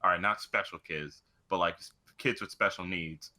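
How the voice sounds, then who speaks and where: A man's voice: low voice, steady tone, moderate pace, bright, forceful tone. A young man co-hosting a casual chat in a blunt, irreverent way, swearing casually. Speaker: podcast co-host.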